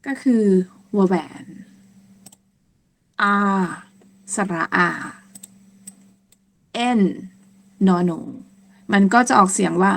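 A woman teaching at a very slow, unhurried pace. She says each word several times over with patience and spells it out letter by letter. Her pitch sits in a middle range. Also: vocal fry, a bit bright. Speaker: language teacher. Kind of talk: teaching German numbers in Thai.

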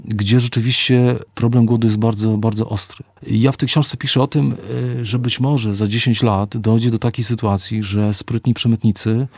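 A middle-aged man, an author and psychologist, giving reflective, measured interview answers and slowing down to stress key words. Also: fairly low pitch, fairly even intonation, a little mellow, no room sound.

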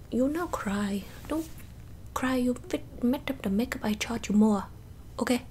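A woman's voice: on the high side, darkish tone, slight background noise. A young woman in an ASMR role-play, voicing a blunt, boastful makeup doctor with a put-on Asian accent and broken English. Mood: blunt, scolding. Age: young adult. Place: small bedroom indoors. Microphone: close desktop microphone with foam cover.

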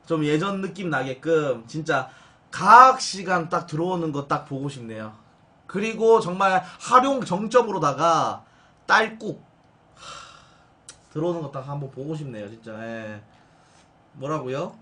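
A high, bright male voice with big swings in pitch, chatting loudly with his livestream viewers. He jokes, rants, and keeps calling out to the audience in a sarcastic, lively way. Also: normal speed. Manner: loud, jokey, addresses viewers and donors as big brother; ranting, sarcastic asides. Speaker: livestream host. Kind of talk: casual livestream chat with viewers.

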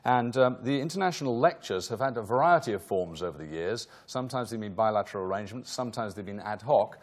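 A man's voice: on the low side, animated, fast talker. Rambling man hosting a lecture. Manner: rambling, many fillers and self-corrections. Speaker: host introducing a lecture. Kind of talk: formal welcome and housekeeping. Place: lecture hall, at a lectern.

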